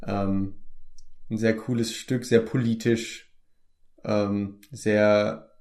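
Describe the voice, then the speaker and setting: A man's voice: fairly low pitch, level tone, very slow, darkish tone. A young man, an actor from the Palatinate in Germany, chatting casually in an interview, easygoing and full of hesitant fillers and restarts.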